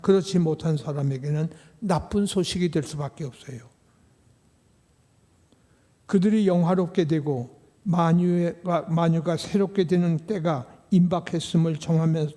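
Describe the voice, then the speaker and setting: Male pastor, sermon, rhetorical questions, slightly high mellow voice, long reverb. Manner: preaching with rhetorical questions to the congregation. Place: church sanctuary.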